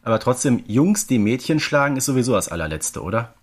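A man's voice: medium pitch, big pitch swings, fast talker. A man from the Ruhr region with a German accent, hosting a podcast in a colloquial, conversational way. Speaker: podcast host.

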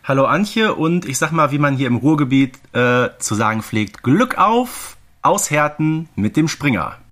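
A man's voice: fairly high pitch, animated, a little slow, a bit bright. A man co-hosting a podcast, explaining things in a casual, conversational way with tag questions. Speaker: podcast co-host. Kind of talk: casual fan podcast chat.

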